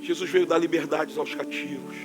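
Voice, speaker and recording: A man from Rio de Janeiro with a Carioca accent, preaching a sermon to his church in a forceful, emphatic way that can sound like scolding. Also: fairly high pitch, fairly even intonation, moderate pace, loud music behind the voice. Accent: Carioca Portuguese. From Rio de Janeiro, Brazil. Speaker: pastor.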